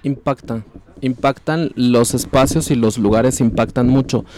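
Dark-voiced man, measured and emphatic. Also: mid-range voice, a little hiss or hum. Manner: measured, repetitive, emphatic lists. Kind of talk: reflective explanation. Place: studio in Guadalajara.

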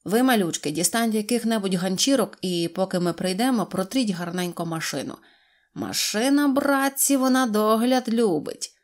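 A woman voicing a brisk, bossy little male mechanic in a storybook, giving loud marching commands. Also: medium pitch, natural voice. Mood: commanding.

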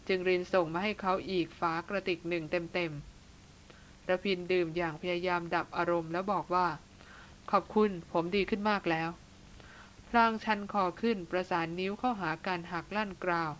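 Woman narrating a novel, measured. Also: lowish voice, a little hiss or hum, poor audio. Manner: steady, measured. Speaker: audiobook reader.

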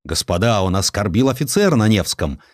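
A man voicing excitable young naval cadets in a historical audiobook, urgent and gossiping. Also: fairly low pitch, brisk, no echo, studio quality. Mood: alarmed. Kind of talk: Russian audiobook character acting.

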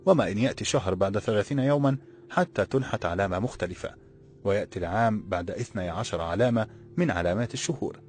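A man voicing a calm, formal young woman. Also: fairly low pitch. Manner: formal, measured classical speech. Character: calm, gentle young woman of an old walled city. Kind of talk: audiobook character voice.

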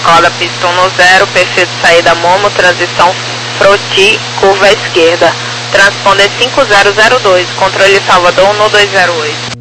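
A Brazilian man working as an air traffic controller, reading out clipped clearances over the radio. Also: high voice, little pitch movement, moderate pace. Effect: radio transmission.

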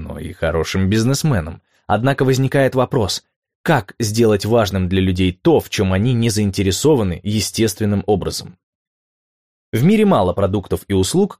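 A man narrating nonfiction in a measured, clear storytelling manner, posing rhetorical questions along the way. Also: on the low side, darkish tone, no room sound, clean studio sound. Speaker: audiobook narrator.

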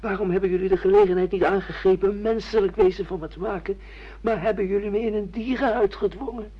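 A man's voice: high voice, fairly even intonation, quick pace, breathy edge. An actor playing a bitter, defiant judge who has lost his memory, argumentative and sardonic, in a Dutch radio play. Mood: bitterly defiant. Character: bitter amnesiac judge, defiant man refusing his past. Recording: dull lo-fi radio play recording.

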